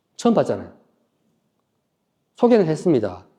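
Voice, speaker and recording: A man's high, dark and mellow voice in a Daegu accent, fairly quick, with very wide pitch swings and audible room echo. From Daegu, South Korea. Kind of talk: lecture. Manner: animated.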